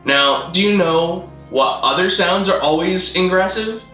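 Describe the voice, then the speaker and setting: Male explainer narrator, bright tone, dry didactic scripted delivery, some room echo, light music bed. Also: high voice, a little slow. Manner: deadpan, didactic. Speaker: host, video essayist on constructed languages. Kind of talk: scripted narration, mock-academic lecture.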